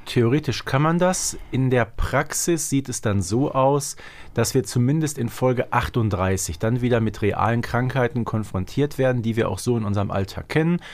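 A man co-hosting a podcast, explaining things casually in a conversational way. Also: mid-range voice. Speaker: podcast co-host. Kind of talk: casual chat about an audio drama series.

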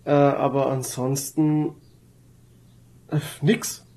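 A woman's voice: rumbling low, flat delivery, slow pace, warm tone. A woman talking in a casual, conversational way on a podcast. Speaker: podcast speaker.

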